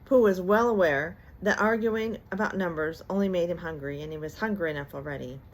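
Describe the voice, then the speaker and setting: A woman's voice: on the low side, fairly quick. Older woman reading a bedtime story. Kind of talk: read-aloud bedtime story narration.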